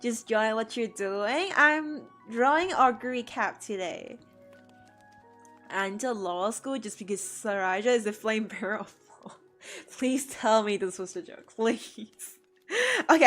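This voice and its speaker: A woman whose first language is Cantonese, chatting casually and laughing often while she streams her drawing. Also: high-pitched. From Hong Kong. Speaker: art streamer. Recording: faint music under the voice. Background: soft background music.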